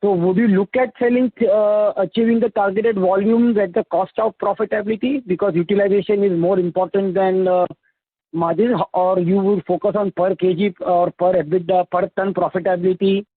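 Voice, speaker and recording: A man with an Indian accent asking questions as an analyst on an earnings call, halting and often rephrasing himself. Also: high-pitched, fairly even intonation, no echo. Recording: narrowband phone line.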